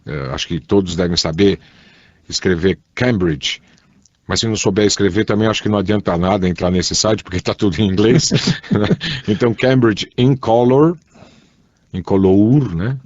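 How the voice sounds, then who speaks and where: A man co-hosting a casual radio chat show, slowly spelling things out and telling light jokes. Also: on the low side, no room sound. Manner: slow, careful spelling out of web addresses, joking. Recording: dull, dry studio sound.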